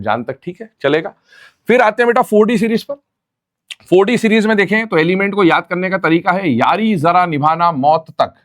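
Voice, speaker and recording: A man teaching chemistry in a classroom-style lecture, repeating memory tricks slowly and calling his students "beta". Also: a little high.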